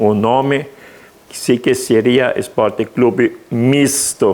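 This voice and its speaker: A man's medium-pitched voice, very slow in pace, with fairly even intonation. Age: 80s+. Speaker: founder of local football club. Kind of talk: interview testimony. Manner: halting, with many fillers.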